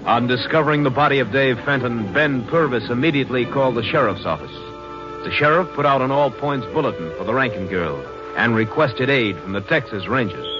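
A formal narrator played by a man lays out a police case in scripted 1950s radio style. His voice sits at a middle pitch over clear music, on a muffled old recording. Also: lively intonation, brisk, lightly acted. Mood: formal, factual.

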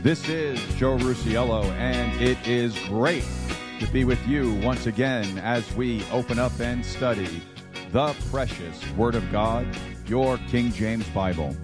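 A man hosting a sermon podcast, hoarse and raspy from losing his voice, talking to listeners in a folksy way with many fillers. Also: mid-range voice, unhurried, loud music behind the voice. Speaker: podcast host and Bible teacher. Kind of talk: casual sermon-podcast talk.

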